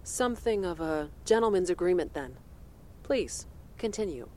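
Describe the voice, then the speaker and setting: A woman playing a measured, probing senator. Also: lowish voice, expressive, warm tone, natural voice. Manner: measured, coaxing, authoritative. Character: poised, probing female senator. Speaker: senator conducting a hearing. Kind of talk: audio drama acting.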